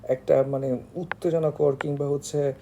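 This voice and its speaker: Male online tutor, Bangladeshi accent, very mellow tone with gravelly fry, halting informal lecture delivery. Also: fairly high pitch, level tone, slight background noise. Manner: halting, with frequent hesitations and filler phrases. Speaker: online tutor for job exam candidates.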